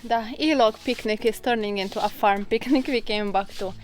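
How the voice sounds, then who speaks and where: A woman's voice: fairly high pitch, normal speed. A woman hosting a casual outdoor cooking vlog, chatting and giggly as she explains things. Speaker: vlog host. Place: outdoors on a farm.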